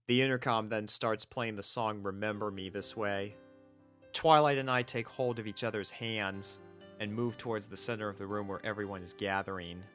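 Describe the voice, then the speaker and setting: A man's voice: fairly low pitch, fairly even intonation, moderate pace, fairly bright tone, faint music behind. A man reading a first-person story as scripted narration, in an earnest, sentimental manner. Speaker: fan fiction reader.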